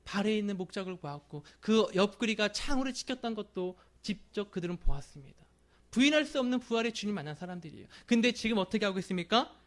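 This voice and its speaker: A man's voice: high voice, lively intonation, fast talker, a bit bright. A male pastor preaching a Sunday sermon, earnest and often asking the congregation questions.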